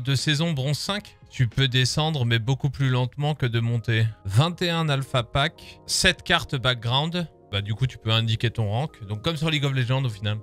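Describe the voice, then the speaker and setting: A gaming streamer with a French accent and a medium-pitched, fairly bright voice reads patch notes aloud during a live stream. He comments casually on the game update, joking and swearing as he goes.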